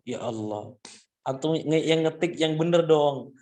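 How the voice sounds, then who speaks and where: A man's voice: fairly high pitch, unhurried, dark tone. A man teaching Arabic in an online class, talking casually to his students and repeating phrases often. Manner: casual, repetitive, addresses students as antum. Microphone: video call.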